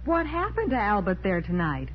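An actress playing an inquisitive, eager young detective's assistant in 1940s radio crime style, on a muffled vintage recording. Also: female voice, medium pitch, huge pitch swings, normal speed, a little hiss or hum. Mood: curious. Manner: questioning, eager.

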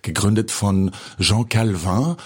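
A man's voice: fairly low pitch, slow, slightly rough. A man, a filmmaker speaking reflectively with many hesitations in an interview. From Geneva, Switzerland. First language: French. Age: 40s. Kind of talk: personal interview.

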